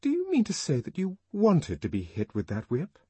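A man voicing a pampered, fragile young woman, pleading in a high, breathy falsetto. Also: animated, takes it slowly, darkish tone, dry recording, heavily acted. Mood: amazed.

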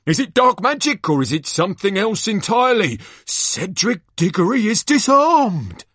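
A man voicing a bombastic sports announcer from a storybook, a booming showman with drawn-out theatrical calls. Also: big pitch swings, fairly bright tone, dry recording, clean studio sound, heavily acted. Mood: excited, dramatic. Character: bombastic male sports announcer hyping a tournament.

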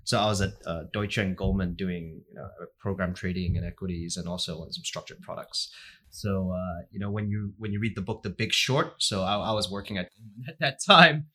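Low-voiced man from Hong Kong, chatty guest. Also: brisk. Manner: relaxed, many "uh" fillers, chuckles often. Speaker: podcast guest, finance professional. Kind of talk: casual interview answers.

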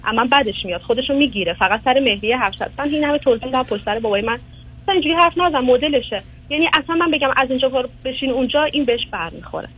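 A woman's voice: high-pitched, animated, a bit bright, husky. A woman calling in to a counseling show, telling her story in a rambling, emotional way over the phone. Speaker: caller. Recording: phone line.

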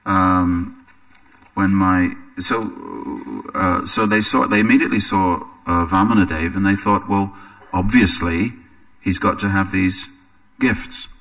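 An English man giving a scripture class in a temple, relaxed and anecdotal, with frequent hesitant fillers. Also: low-pitched, takes it slowly, distant mic. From England. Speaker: religious teacher. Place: temple hall.

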